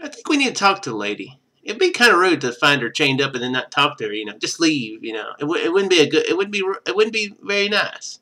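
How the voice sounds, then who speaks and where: Male streamer, higher-pitched and animated, reading a visual novel aloud with loose conversational asides. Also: quick pace, few pauses. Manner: rambling, chatty asides between read passages. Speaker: game streamer.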